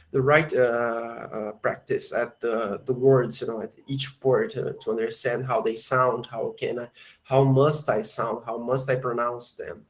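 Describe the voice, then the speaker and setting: A Brazilian man with a Brazilian Portuguese accent, a student on a video call who hesitates and fills pauses while he hunts for words. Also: medium pitch. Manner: hesitant, many fillers while searching for words. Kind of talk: casual conversation lesson.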